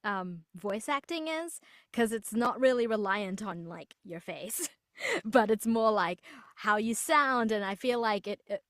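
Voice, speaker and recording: A woman's voice: medium pitch, expressive, measured pace, fairly bright tone, no room sound. A young woman voice actor from New Zealand chats in an upbeat way. She often restarts her sentences. Her voice sits mid-range and sounds dry and close. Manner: chatty, upbeat, with frequent restarts. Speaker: voice actor guest. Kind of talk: casual interview chat.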